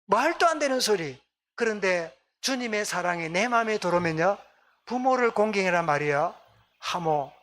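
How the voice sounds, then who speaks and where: A man's voice: high voice, animated, moderate pace, a bit bright. A male pastor with a Gyeongsang accent preaching a Sunday sermon, often asking the congregation questions and repeating their answers. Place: church sanctuary.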